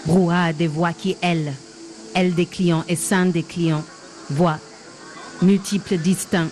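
A woman's voice: on the low side, fairly even intonation, unhurried, darkish tone, soft background music, natural voice. An actress in her thirties playing a frightened woman calling for her lost mother, with a repetitive, trembling, incantatory delivery. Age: 30s. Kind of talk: theatrical drama acting.

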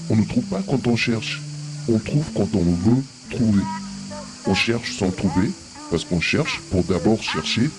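An actor plays a stubborn market man who argues in circles. His low voice keeps pressing the same point, and music plays clearly behind him. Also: measured pace, lightly acted, low-quality recording. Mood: insistent. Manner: insistent, argumentative wordplay. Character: stubborn market man lecturing in circular logic.

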